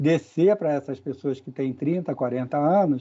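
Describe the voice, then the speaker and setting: A normal speaking voice from a man, fairly high in pitch, at a moderate pace with ordinary pitch variation. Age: 60s. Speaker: marketing strategy executive. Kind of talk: interview.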